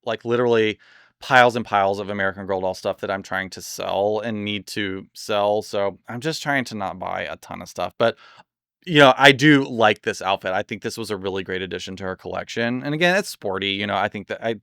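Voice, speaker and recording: A man chatting casually and enthusiastically in a product review, rambling with lots of fillers, his voice slightly hoarse from overuse. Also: lowish voice, a little fast, a bit bright, no echo, clean studio sound. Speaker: doll collector reviewing products.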